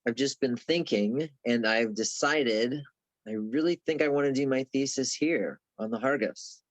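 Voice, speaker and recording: A man's voice: mid-range voice, measured pace, dry recording, lightly acted. A man playing an evasive, defensive young grad student with a hesitant way of talking in a dramatic table read. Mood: nervous, evasive.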